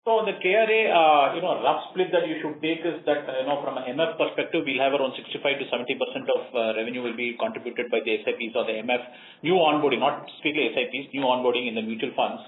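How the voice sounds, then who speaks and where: A man with an Indian accent, a company executive answering questions on a conference call, halting and rephrasing his points. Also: medium pitch. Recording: tinny phone-line audio with noise.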